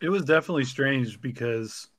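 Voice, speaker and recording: A man's voice: mid-range voice, lively intonation, a little fast, fairly bright tone, dry recording. A man co-hosting a podcast, chatting casually and explaining things in an informal way. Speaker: podcast co-host and show writer. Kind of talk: casual behind-the-scenes chat.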